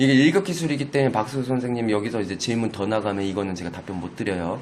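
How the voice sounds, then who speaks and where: Through audible room echo, a man talks at a very fast pace with lively intonation. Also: medium pitch for a man. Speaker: real estate auction author and lecturer. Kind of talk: live Q&A lecture. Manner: animated.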